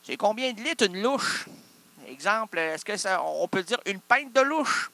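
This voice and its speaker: In a gravelly, sharp voice that sits high, a comic performer with a Québécois French accent works through an absurd improvised monologue. He's animated but keeps a measured pace, rambling with wordplay and answering his own questions.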